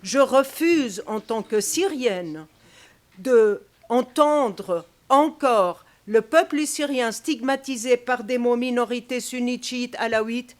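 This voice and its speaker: A woman's voice: on the high side, slow. A Syrian-born woman speaking from the audience at a press panel, hesitant with many fillers and growing heated. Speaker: audience member. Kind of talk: impassioned statement at a press panel.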